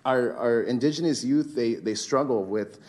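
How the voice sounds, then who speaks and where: Guy accepting an award, emotional and a bit halting, normal pitch. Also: a little mellow. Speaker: community group co-founder accepting award. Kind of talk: acceptance speech. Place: city council chamber.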